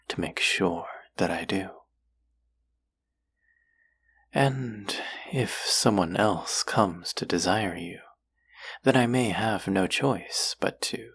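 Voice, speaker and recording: A male actor plays a seductive, possessive demon in an intimate audio drama. The voice is very low and husky, and it moves slowly. The delivery is teasing and menacing, often sinking into a whisper. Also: full character voice. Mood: possessive, hungry. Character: possessive, seductive demon who craves human hearts. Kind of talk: intimate scripted audio roleplay.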